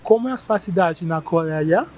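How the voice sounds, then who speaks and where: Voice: mid-range voice, animated, normal speed, over loud music. An interviewer putting short, direct questions to a guest.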